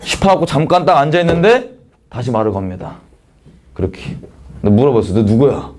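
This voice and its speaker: A man's voice: medium pitch, big pitch swings, brisk, a little mellow, slight background noise. A man giving a missionary testimony sermon, telling his story in a frank, colloquial way and acting out the voices he quotes. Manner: frank, colloquial, self-mocking.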